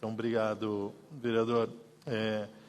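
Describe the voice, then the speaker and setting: A man at a medium pitch speaks fairly slowly, with audible room echo. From Santa Catarina, Brazil (Blumenau). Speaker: surgeon. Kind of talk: public testimony to city council. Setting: city council chamber. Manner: halting.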